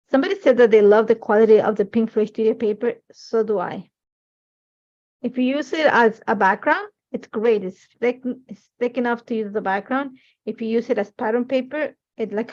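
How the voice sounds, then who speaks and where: Working at a crafting desk beneath an overhead camera, a middle-aged Ecuadorian woman, a native Spanish speaker with that accent, hosts a live crafting demonstration and chats casually while thinking aloud. Her voice is on the high side, gravelly, and a little mellow. The stream sound is lo-fi and dull.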